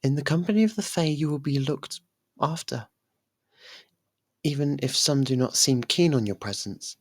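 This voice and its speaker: A performer voicing a possessive, lovestruck young faerie royal in an intimate ASMR roleplay, soft and halting, tender and clingy. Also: medium pitch, natural voice. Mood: tender, protective.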